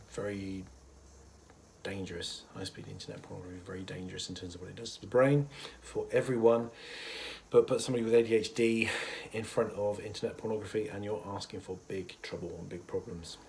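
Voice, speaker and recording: A therapist gives a casual educational talk to camera in a lowish, husky voice roughened by a cold. Thoughtful and hesitant, he pauses often on fillers as he explains and chuckles softly. A faint hiss of room ambience runs beneath him.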